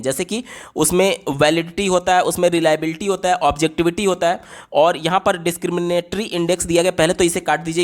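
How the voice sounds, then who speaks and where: A man, a teacher working through exam questions. He reads the English question text slowly and explains it at length, repeating key points. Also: sits high. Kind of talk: exam-prep lesson explaining answer options.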